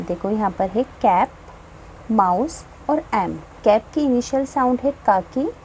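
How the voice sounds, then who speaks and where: Woman going slow thru a kids textbook lesson, spelling words out, mellow voice, bit of background hiss. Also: a little high, low-quality recording. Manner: patient, slow, reads English lines very slowly and spells words letter by letter. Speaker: teacher. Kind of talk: textbook lesson explanation for young children.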